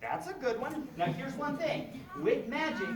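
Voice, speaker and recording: A woman's voice: sits high, animated, a little slow, recorded from a distance. A woman performing as a kids party magician, coaxing her young audience along with questions, instructions and countdowns. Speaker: magician hosting a children's show. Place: large indoor room at a public library. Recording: echoey large room from afar, loud crowd. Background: loud crowd of children and adults.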